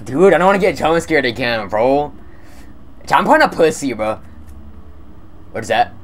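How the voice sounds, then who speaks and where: A young man casually commentating on a game stream, using slang and talking excitedly to his chat. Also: mid-range voice, moderate pace. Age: young adult. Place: indoor room at streaming setup.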